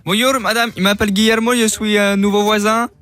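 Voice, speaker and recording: A charming new neighbor with a thick Mexican accent calls to woo a woman next door, played by a man in a prank call. His voice sits high and bright, and he flirts in a smooth, courting way with small stumbles. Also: flat delivery, fairly quick. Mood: flirting. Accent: Mexican, put on. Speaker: prank caller.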